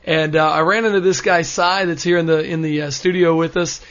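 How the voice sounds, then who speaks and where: A man's voice: a little high, steady tone, brisk, fairly bright tone. An American man in his thirties, speaking as a guest in a studio conversation, telling stories with enthusiasm. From United States. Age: 30s. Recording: dull lo-fi studio sound.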